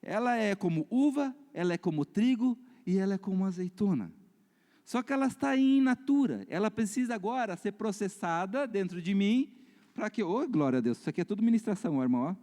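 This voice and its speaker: A Brazilian man preaching a sermon as pastor, switching between loud, animated preaching and quiet storytelling. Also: high voice, brisk. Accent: Brazilian Portuguese. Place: church hall. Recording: reverberant church hall.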